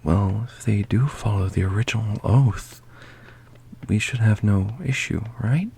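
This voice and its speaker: A man voicing a weary veteran captain, centuries old, with a measured, dryly bantering manner in a fantasy roleplay. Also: on the low side, creaky, warm tone, a little hiss or hum. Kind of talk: ASMR fantasy audio roleplay.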